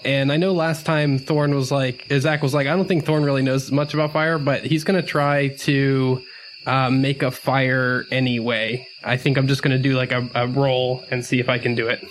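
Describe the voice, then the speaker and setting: A man's voice: mid-range voice, steady tone, moderate pace, a little hiss or hum. A man playing a tabletop role-playing game, casually describing what his character does.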